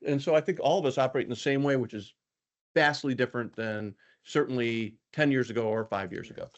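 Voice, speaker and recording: A man on a media panel explaining his advertising approach, firing off quick rhetorical questions in a businesslike manner. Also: mid-range voice, highs cut off. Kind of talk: panel discussion.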